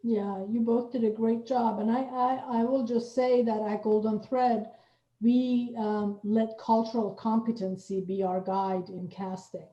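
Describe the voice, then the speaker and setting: A woman hosting and moderating a panel conversation, phrasing her points in a measured, deliberate way. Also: on the high side, steady tone, mellow. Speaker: host and moderator, theater company representative. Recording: roomy, muffled online-call audio.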